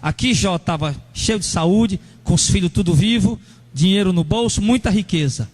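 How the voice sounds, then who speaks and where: High-voiced animated male preacher. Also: moderate pace. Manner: animated, acts out angry church members in a raised voice; addresses congregation members directly. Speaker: pastor. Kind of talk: sermon.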